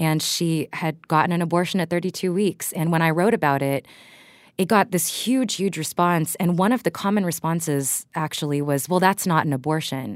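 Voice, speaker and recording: A woman uses a plain, everyday voice with a fairly low pitch and ordinary pitch variation at a moderate pace. Her loudness is very even, and the recording is very clean with a silent background. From Texas. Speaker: magazine writer. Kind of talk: interview conversation.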